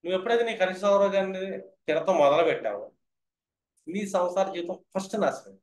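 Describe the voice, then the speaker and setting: A man's voice: high voice, expressive, fast talker, echoey room. A man teaching astrology in a lecture style, who keeps asking his listeners whether they have understood.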